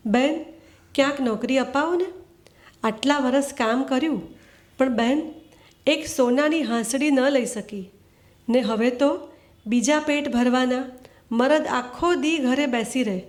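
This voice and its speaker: A woman's voice: high voice, unhurried, long pauses. A woman reading aloud voices a poor young married working woman who speaks in a pleading, plain-spoken way.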